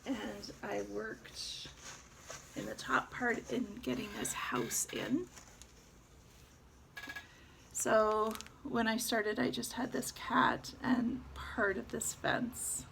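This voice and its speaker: A woman's voice: fairly high pitch, lively intonation, extremely slow, vocal fry, a bit bright, a little hiss or hum. A woman chatting casually about her cross-stitch projects, rambling with fillers as she shows her work. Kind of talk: casual show-and-tell chat.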